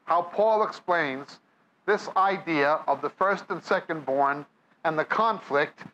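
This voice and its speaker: A man's voice: on the high side, slow pace, sharp tone, dull audio, slight background noise. A man with a New York accent preaching a sermon, reading scripture aloud and then explaining it to a live audience. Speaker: Bible teacher. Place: church or meeting hall with audience.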